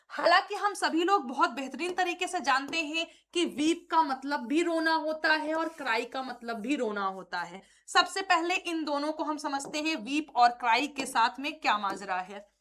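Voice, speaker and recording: A woman's voice: high voice, animated, moderate pace, few pauses, a bit bright. A woman teaching English in Hindi, explaining with vivid examples and putting questions to her viewers. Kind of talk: spoken-English lesson in Hindi.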